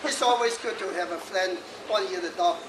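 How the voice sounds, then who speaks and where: A brisk, high-pitched man in his sixties, a feng shui master, keeps his hall audience entertained with a jokey lecture, laughing often and chatting between points. The distant mic yields echoey, noisy sound.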